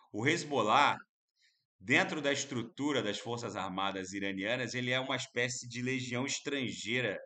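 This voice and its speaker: A man with a Brazilian Portuguese accent giving casual, opinionated crypto market commentary in an emphatic, animated way. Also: mid-range voice.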